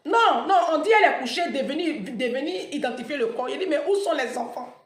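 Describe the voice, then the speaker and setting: A woman's voice: high-pitched, animated, a little fast, roomy sound. A woman vlogger speaking straight to her followers, retelling a painful story with dramatic flair and acting out the dialogue.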